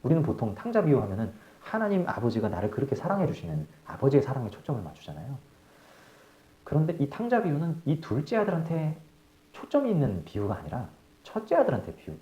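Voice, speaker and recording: Animated man preaching in an echoey church. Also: mid-range voice, quick pace. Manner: animated storytelling, rising to emphatic. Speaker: pastor. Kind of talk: live sermon. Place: church worship hall. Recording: echoey, dull live church sound.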